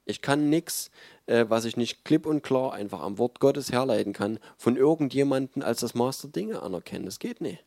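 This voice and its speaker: A man's voice: mid-range voice, expressive, normal speed, vocal fry, a little mellow, no room sound, studio quality. A man giving a sermon in a conversational, emphatic way, with frequent fillers. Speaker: preacher.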